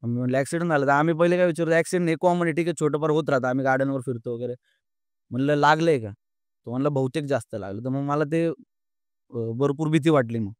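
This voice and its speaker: A man's voice: on the high side, clear, resonant tone, no room sound, clean studio sound. Earnest young man. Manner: earnest, halting, many fillers and restarts. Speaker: podcast guest. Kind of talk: emotional storytelling in an interview.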